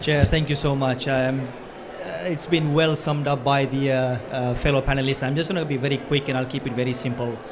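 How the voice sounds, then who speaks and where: A fairly high-pitched man at a fairly quick pace and with fairly even intonation, plus audible room echo and noticeable background noise. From Fiji. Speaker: conservation organisation representative, panelist. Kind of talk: panel discussion. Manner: fast.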